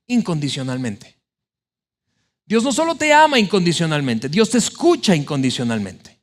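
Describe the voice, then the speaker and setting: A man preaching a sermon as pastor, lively and emphatic, often acting out quoted prayers. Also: high-pitched. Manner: animated preaching, voices biblical quotes.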